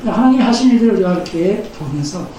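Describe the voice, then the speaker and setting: High-voiced pastor in his fifties, echoing church. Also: expressive, fast, warm tone. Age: 50s. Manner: earnest preaching with rising emphasis. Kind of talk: sermon. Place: church sanctuary. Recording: echoey church hall, mic at a distance, faint noise.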